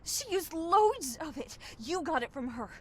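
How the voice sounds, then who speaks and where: Game role, loyal young friend: high voice, urgent, protective, faint background noise. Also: female voice, big pitch swings, a little slow, a little mellow. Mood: grave, warning. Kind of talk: dramatic video game acting.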